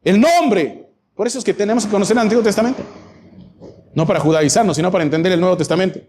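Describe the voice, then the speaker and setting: High-voiced preacher. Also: male voice, lively intonation, quick pace, darkish tone, slight background noise. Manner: emphatic, rhetorical questions, varying pace. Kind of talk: sermon Bible teaching.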